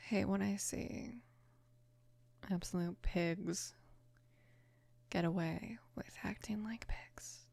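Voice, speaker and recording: A woman of about twenty playing a mafia boss's protective, casual daughter in an intimate ASMR roleplay, speaking softly and unhurriedly, often slipping into a whisper. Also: fairly even intonation, dry recording. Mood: calm, confiding. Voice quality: soft, breathy whispering mixed with low murmur. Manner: hesitant, unhurried, casual with small pauses. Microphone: close microphone, dry.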